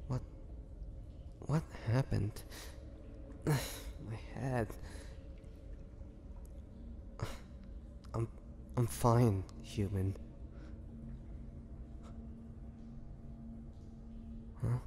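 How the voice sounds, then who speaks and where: A man playing a weary, brooding ancient vampire in a dramatic audio roleplay, speaking haltingly with a low, gravelly voice. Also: mellow. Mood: weary, taunting. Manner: slow, halting, brooding delivery with pauses. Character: weary, imprisoned ancient male vampire, groggy and menacing. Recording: long cavernous reverb, background noise.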